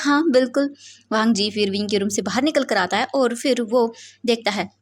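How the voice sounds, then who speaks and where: A woman casually narrating a fan-fiction love story, mixing English words into her telling. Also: mid-range voice.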